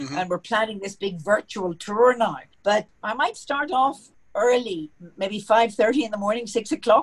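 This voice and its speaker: A woman speaks with a Belfast accent at a moderate pace, her pitch fairly high. Her voice is somewhat breathy, and her intonation is lively. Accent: Belfast Northern Irish. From Northern Ireland, Belfast. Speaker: geologist and oil explorer. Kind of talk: casual interview.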